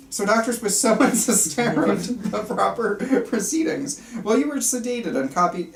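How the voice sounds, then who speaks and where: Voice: medium pitch, a little hiss or hum, close to an everyday voice. A person reading the part of a chirpy, patronizing psychiatrist at a table read, with breezy, reassuring bedside talk. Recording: roomy, picked up from far off.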